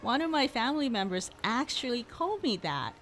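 A woman's voice: fairly high pitch, sing-song, fairly quick, a bit bright, slight background noise. A young woman playing a chatty, upbeat student friend. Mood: candid. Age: young adult.

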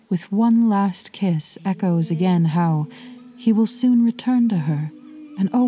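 A woman narrating an old myth as a podcast storyteller, in a measured, lyrical way. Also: mid-range voice, dark tone, slight background noise.

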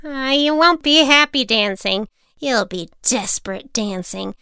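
A sharp-tongued old woman sneers and lectures, voiced by a woman reading a storybook. The tone is bright and cutting, very clear. It sounds dry and close. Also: on the high side, lively intonation, a little slow, dry recording, voice pushed up, exaggerated voice. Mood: scornful. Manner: scornful, snappish, lecturing. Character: harsh scolding old woman, the Shears.

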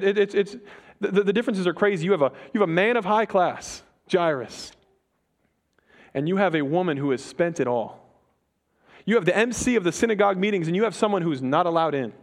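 A young man preaching in an easygoing, chatty way, full of slang and quick asides. His voice sits a little high for a man. He moves from playful storytelling to earnest appeals. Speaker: pastor. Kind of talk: sermon.

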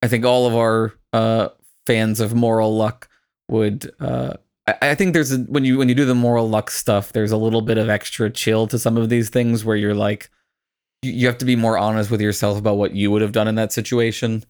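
A man hosting a podcast in casual, reflective talk, choosing his words tentatively in a creaky voice. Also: lowish voice, flat delivery, a little fast, a little mellow. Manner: thoughtful, tentative phrasing. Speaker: podcast host.

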